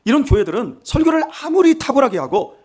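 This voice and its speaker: An older male pastor with a Chungcheong accent preaching a sermon in church, animated and self-mocking with humor. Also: very high voice, fast, breathy edge. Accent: Chungcheong Korean. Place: church sanctuary.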